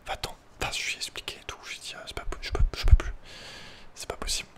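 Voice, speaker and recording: Speaking very fast in a breathy whisper throughout, as in an ASMR video, a man sounds casual and slangy. His flow is hesitant and rambling.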